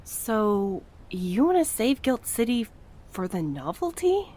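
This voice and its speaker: A woman playing a shrewd, steady courier in an audio drama, speaking in a direct, probing way. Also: a little high, slow, full character voice. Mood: challenging. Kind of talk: scripted audio drama acting. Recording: faint cricket ambience behind voice. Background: crickets and night sounds.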